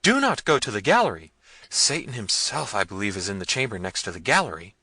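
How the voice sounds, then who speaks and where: A man's voice: medium pitch, very animated, normal speed, pushed and bright, no echo, voice pushed up. A man voicing a terrified, simple servant in a gothic story, trembling, pleading and rambling deferentially. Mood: panicked, pleading. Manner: trembling, pleading, long-winded. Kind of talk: dramatised gothic novel reading.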